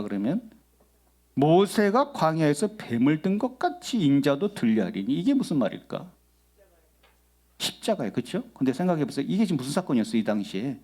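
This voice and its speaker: A man's voice: fairly high pitch, darkish tone. A middle-aged man preaching a sermon in a church, talking conversationally and often asking the congregation questions. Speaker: pastor. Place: church sanctuary.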